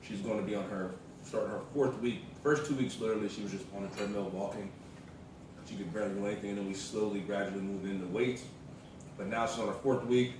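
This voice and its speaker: Casual American male vlog co-host, slangy storyteller, mid pitch, heavily reverberant room with clear background noise. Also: steady tone, quick pace. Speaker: vlog co-host, the vlogger's partner. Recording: roomy echo, distant mic, noisy background.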